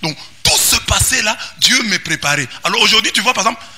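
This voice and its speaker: Congolese priest, high bright lively voice, singsong shouting sermon, faint music behind. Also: male voice, fast, slightly rough. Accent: Congolese French. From Democratic Republic of the Congo. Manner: animated preaching, often shouting and singsong. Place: parish church.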